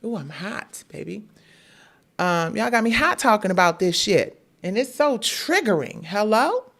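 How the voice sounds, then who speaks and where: A woman in her thirties hosts a live Q&A, talking straight to her viewers. She is candid and emphatic, with a blunt, profane edge, and lays out her side of events point by point in a steady middle register. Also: medium pitch, a little slow. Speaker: livestream host.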